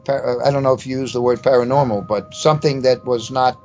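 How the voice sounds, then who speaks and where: A man's voice: mid-range voice, steady tone, fast, darkish tone. An older man from New York telling a casual, rambling anecdote, stammering and repeating words as he goes. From New York, USA. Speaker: interview guest telling a personal ghost story. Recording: dull lo-fi sound with faint music. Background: faint music.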